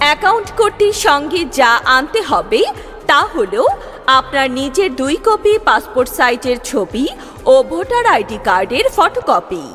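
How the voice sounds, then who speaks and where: A woman reading a street loudspeaker advertisement in a lively, declamatory announcing manner. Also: high voice, normal speed. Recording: long reverb with music bed. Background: music.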